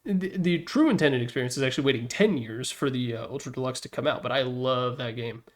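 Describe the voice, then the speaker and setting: Hosting a ranking of video game announcer packs, a man offers casual, opinionated commentary in a rambling, blunt, slang-heavy style. His voice is mid-range and a little fast.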